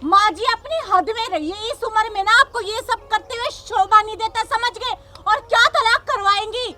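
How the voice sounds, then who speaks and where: Actress as a young village daughter-in-law policewoman, defiant and preachy, bright high voice. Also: moderate pace. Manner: combative, lecturing, repeats "samajh gaye".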